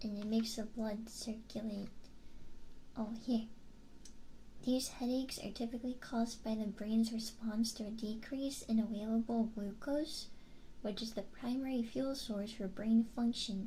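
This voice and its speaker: This woman's fairly high voice has a dark, mellow tone, comes out somewhat breathy, and stays monotone and flat. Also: moderate pace. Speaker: virtual streamer. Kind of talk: casual livestream talk, coworking session. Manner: casual, conversational.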